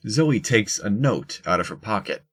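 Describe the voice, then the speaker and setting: Casting: low-voiced narrator for scripted audio fiction, telling the action between lines. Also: big pitch swings, moderate pace, fairly bright tone, slightly rough.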